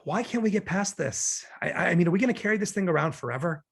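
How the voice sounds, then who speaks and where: A man's voice: high-pitched, animated, fast, creaky, a bit bright, exaggerated voice. An actor playing a defensive, exasperated man arguing with his lover in a table read of a romantic comedy. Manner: argumentative, self-justifying.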